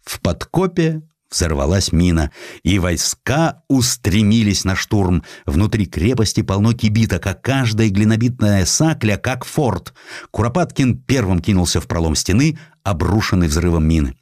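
A man reading a historical essay as an audiobook narrator, in an expressive, measured literary manner with distinct pauses. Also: on the low side, no echo, studio quality.

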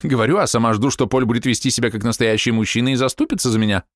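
A man voicing a quarrelsome woman in her forties, shrill and indignant as she nags and complains. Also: racing, no room sound, clean studio sound, natural voice. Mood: aggrieved ranting.

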